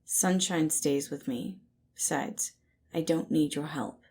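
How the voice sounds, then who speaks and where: A sullen, guarded man as a woman reads him, in a fairly low register. He talks curtly and warily, giving ground only grudgingly, as a character in an audio story. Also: slow pace, dark tone, slightly rough, full character voice. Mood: defiant. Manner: curt, wary, grudging.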